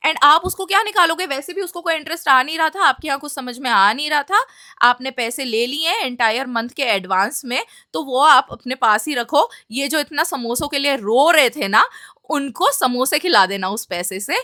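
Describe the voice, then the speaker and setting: A woman's voice: sits high, expressive, moderate pace, no echo, clean studio sound. A woman voicing an angry, protective mother scolding a teacher. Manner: scolding, forceful.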